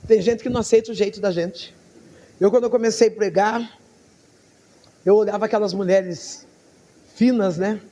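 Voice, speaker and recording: A woman pastor preaching a sermon, telling her story with lively, acted-out dialogue and frequent laughs. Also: medium pitch, normal speed, pauses often, long reverb tail. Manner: laughs often between phrases.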